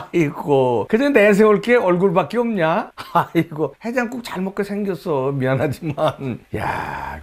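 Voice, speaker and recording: A male host delivers sarcastic commentary, his fairly high voice swooping through a wide, animated range. He keeps chuckling and sighing in exasperation as he mocks. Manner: mocking, chuckles often, exasperated sighs.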